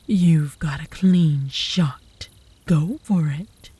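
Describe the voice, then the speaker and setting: A woman's voice: low-pitched, extremely slow, mellow, slightly rough, dry recording, heavily acted. A woman playing a cocky, possessive young female werewolf who taunts her rival smugly in a comedic ASMR roleplay. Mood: cocky, goading. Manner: smug, taunting.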